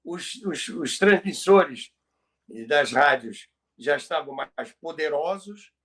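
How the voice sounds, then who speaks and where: A man's voice: a little high, animated, slow pace, fairly bright tone. A man with a Brazilian accent co-hosting a conversational podcast, explaining history emphatically and repeating phrases for emphasis. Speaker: podcast co-host. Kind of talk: conversational radio history commentary.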